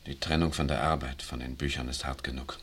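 A man's voice: very deep voice, steady tone, brisk, fairly bright tone, slight background noise. An actor playing an irritable, gloomy and weary father in 1960s radio drama, bitter, commanding and resigned. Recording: 1963 archive radio recording.

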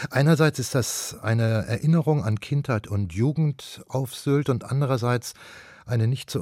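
Measured low-voiced male radio host. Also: darkish tone, no room sound, studio quality. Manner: measured, articulate questioning. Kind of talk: radio interview.

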